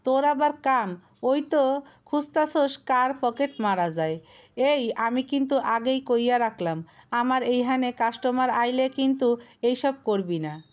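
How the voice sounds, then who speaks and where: A woman narrator plays a gruff, short-tempered tea-stall keeper who scolds in rough dialect. He sounds loud and irritable. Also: high-pitched, lively intonation, measured pace. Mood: scolding. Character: gruff grumpy middle-aged male tea-stall keeper.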